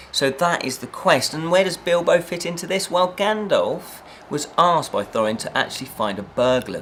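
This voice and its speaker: A man hosting a fantasy review show, talking in an animated, chatty way with frequent self-corrections and rhetorical asides. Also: fairly low pitch. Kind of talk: chatty unscripted review to listeners.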